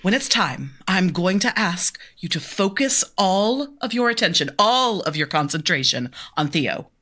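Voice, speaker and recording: A woman's voice: fairly low pitch, sing-song, measured pace, pushed and bright, exaggerated voice. A woman playing a theatrical spiritual medium who speaks in grand, dramatic pronouncements. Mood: mystical. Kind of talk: audio drama acting.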